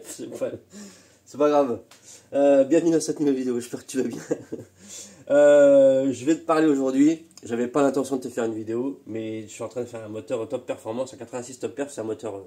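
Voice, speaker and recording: A man's voice: mid-range voice, warm tone. A man with a slight cold, hosting a casual workshop vlog, talking in a rambling way full of hesitations and repeated words. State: still a bit congested from a cold. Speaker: moped engine tuner and channel host.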